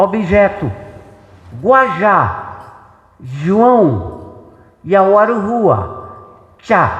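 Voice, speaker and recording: Brazilian male pastor-lecturer, slightly high pitch, chatty and explanatory, recorded in a roomy reverberant hall. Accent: Brazilian Portuguese. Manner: explanatory, conversational, checks in with rhetorical questions. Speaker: pastor and Bible translator giving a talk. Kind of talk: informal church lecture. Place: church hall. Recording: echoey hall with long reverb.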